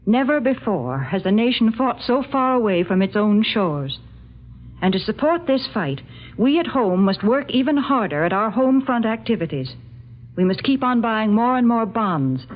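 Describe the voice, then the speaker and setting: An American woman announcing on 1940s radio, reading scripted copy in a cheerful, earnest, emphatic way. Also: fairly high pitch. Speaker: sponsor announcer and co-host. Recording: muffled 1940s radio recording.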